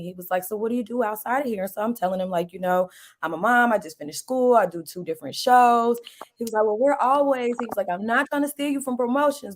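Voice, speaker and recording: Slightly hoarse American woman chatting away. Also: mid-range voice. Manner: animated, slangy storytelling. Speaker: talk show co-host. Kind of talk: lively casual chat.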